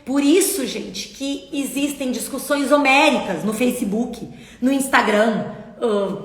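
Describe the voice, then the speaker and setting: A woman's voice: fairly high pitch, a little slow. A middle-aged woman, hosting a casual motivational live talk, chatty and talking straight to her audience. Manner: chatty, asks the audience, reads comments aloud. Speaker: live stream host and speech therapist. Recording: echoey room with long reverb.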